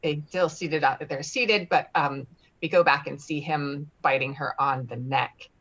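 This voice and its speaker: A woman reading screenplay directions at a table read in a plain, halting way. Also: deep voice, steady tone, fairly bright tone. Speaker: stage directions reader. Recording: slightly dull, lo-fi audio.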